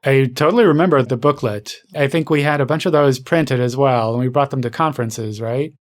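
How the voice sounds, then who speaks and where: A man's voice: mid-range voice, brisk. A man hosting a podcast in a casual, upbeat chatting style. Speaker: podcast host.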